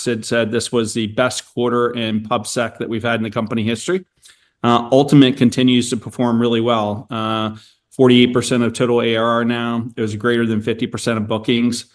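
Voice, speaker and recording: Male corporate executive, average pitch, businesslike and measured, earnings-call delivery. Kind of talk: prepared corporate remarks and answers to analysts.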